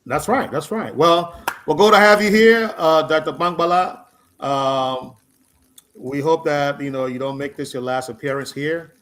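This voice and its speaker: Man, talk-show co-host, higher voice, genial, teasing. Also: unhurried, fairly bright tone. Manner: genial, introduces panelists with light teasing. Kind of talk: live panel show hosting.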